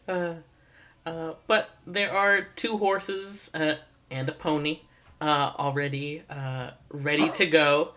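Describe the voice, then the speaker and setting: A dungeon master narrating a tabletop game, laughing often and filling pauses with uh and um. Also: medium pitch, steady tone, bright, forceful tone. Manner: laughing often, many fillers.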